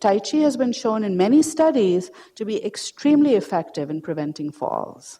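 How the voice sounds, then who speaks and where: At a moderate pace, a woman speaks with vocal fry and very wide pitch swings. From India. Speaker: physician lecturer. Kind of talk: lecture. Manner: engaging, asks audience questions.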